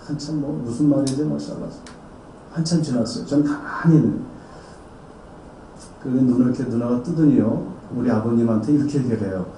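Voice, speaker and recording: A man's voice: medium pitch, fairly quick, pauses often, warm tone, a little hiss or hum. A male pastor giving a dramatic sermon testimony and acting out the voices of the people in his story. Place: church hall. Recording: roomy, distant sound with faint ambience.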